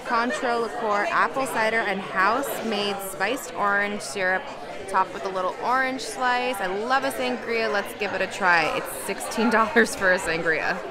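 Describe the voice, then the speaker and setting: A woman's voice: mid-range voice, moderate pace. A young woman in her twenties vlogging a frank, casual food review on a phone held at arm's length, talking with lots of fillers. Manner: chatty, frank, many fillers. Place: busy hotel lounge bar, indoors. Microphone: handheld phone camera at arm's length. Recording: phone video in a noisy bar. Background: loud crowd chatter.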